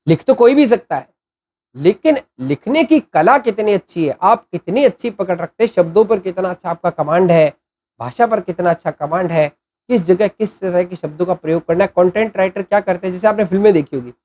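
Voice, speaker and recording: A man hosting an informal spoken lesson, explaining deliberately and answering his own rhetorical questions. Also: sits high, lively intonation, a little mellow. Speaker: channel host explaining content writing.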